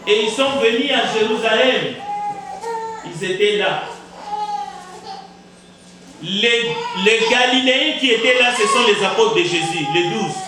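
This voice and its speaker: A pastor whose first language is Kizimba preaches a sermon in a very high-pitched voice, recorded from a distance in a very echoey church sanctuary. He's emphatic, repeating words for effect, asking rhetorical questions and pausing deliberately.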